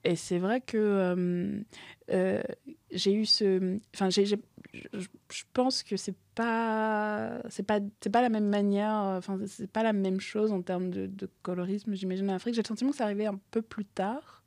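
A woman's voice: mid-range voice, steady tone, normal speed, creaky, a little mellow, no echo. A woman from Cameroon hosting a conversation, speaking hesitantly with many fillers and restarts. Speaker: podcast host. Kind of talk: casual conversation.

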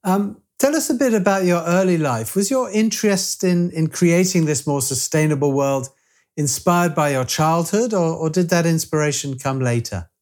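A man's voice: a little high, normal speed, a little mellow. A man hosting a podcast interview, asking inquisitive questions and often restarting them. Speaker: podcast host.

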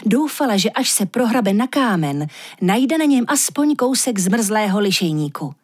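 A woman reading a fairy tale aloud as a storybook narrator, in a calm, measured way. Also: mid-range voice, husky. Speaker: audiobook reader.

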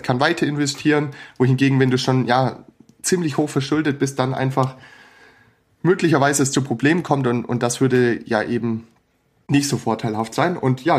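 Methodical man explaining stock analysis. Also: medium pitch. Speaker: podcast guest, stock analyst. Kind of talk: explanatory interview answers.

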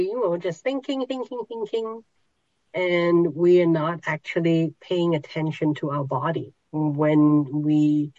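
A middle-aged woman teaches a small group at a very slow, unhurried pace, often pausing and restarting as she searches for words. Her voice sits dry and close, with no room around it, on a somewhat dull, muffled recording. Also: sits low, darkish tone, no room sound. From Hong Kong. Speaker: podcast host and spiritual teacher.

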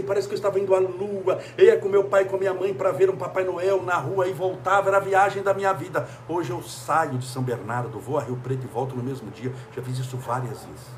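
A man's voice: sits high, slight background noise. A man from Brazil giving a motivational talk, full of emphatic rhetorical questions. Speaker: speaker.

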